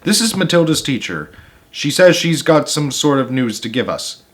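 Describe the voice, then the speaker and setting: A man voicing a boorish middle-aged father in a storybook, irritable, gruff and dismissive. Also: on the high side, big pitch swings, normal speed, voice pushed up. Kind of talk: storybook read-aloud character voice.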